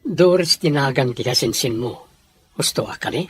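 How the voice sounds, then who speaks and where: A woman voicing a polite, low-key young man in an Ilocano Filipino audio drama. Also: expressive, moderate pace, faint music behind. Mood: shyly interested.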